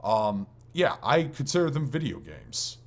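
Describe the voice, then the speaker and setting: A man's voice: fairly low pitch, sing-song, a little slow, vocal fry. A man co-hosting a podcast, chatting casually and enthusiastically about video games with some swearing. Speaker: podcast co-host.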